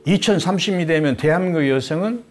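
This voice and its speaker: A man's voice: on the high side, quick pace, music in the background. An older man giving an explanatory talk-show lecture as a guest expert, posing rhetorical questions and answering them in an emphatic, teacherly way. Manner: lively, emphatic teacherly delivery.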